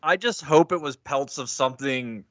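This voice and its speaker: A man's voice: mid-range voice, moderate pace, dull audio, crowd noise. A man chatting playfully and casually as a player on a tabletop game podcast. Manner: playful, jokey. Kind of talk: casual chat.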